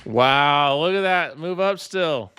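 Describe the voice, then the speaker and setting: A man's voice: fairly high pitch, animated, slow pace, pushed and bright, clean tone. A man in his late twenties chatting casually with his live-stream viewers while trading, teasing them and laughing often. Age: 20s.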